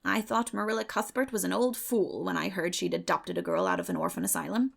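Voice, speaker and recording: A woman acts out a rich old spinster from a storybook. She is blunt and brisk, with a creaky edge to her matter-of-fact speech. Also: fairly low pitch, fairly even intonation. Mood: musing, gruff.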